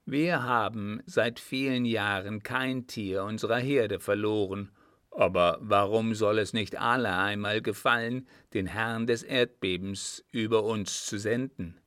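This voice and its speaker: A man's voice: fairly low pitch, unhurried, fairly bright tone, no room sound, clean studio sound. Man voicing a very old, grave tribal elder. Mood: grave, reproachful. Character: very old male tribal elder, wise and reproachful.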